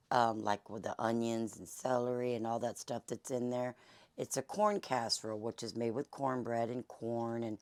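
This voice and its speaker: A woman host with a Southern accent and a hoarse, fading voice, chatting folksily through a home cooking demonstration. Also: very deep voice, darkish tone, no room sound. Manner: chatty, folksy, many fillers. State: hoarse, losing her voice. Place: home kitchen.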